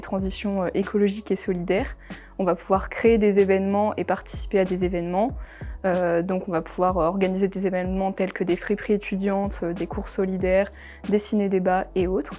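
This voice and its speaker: A woman speaks in a monotone, flat intonation. Music plays in the background. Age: 20s. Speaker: university student. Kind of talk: testimony. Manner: hesitant, many filler sounds.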